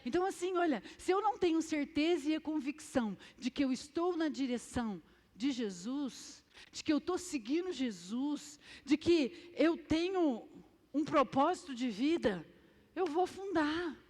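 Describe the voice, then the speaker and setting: A Brazilian woman preaching a lively youth sermon in a church hall, acting out scenes and quizzing the crowd. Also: sits high, a little slow. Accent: Brazilian Portuguese.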